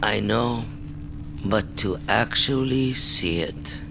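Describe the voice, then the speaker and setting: An actor playing a remorseful, disillusioned prisoner in a science fiction audio drama, speaking heavily and haltingly. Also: male voice, lowish voice, gravelly, background noise. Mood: dejected, sorry. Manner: heavy, halting.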